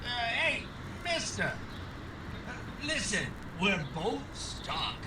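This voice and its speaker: A man playing a lovesick, cornered small-time gunman in 1940s noir radio drama, excitable, with pleading bluster. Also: extremely high pitch, takes it slowly, background noise, heavily acted. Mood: nervous bluffing.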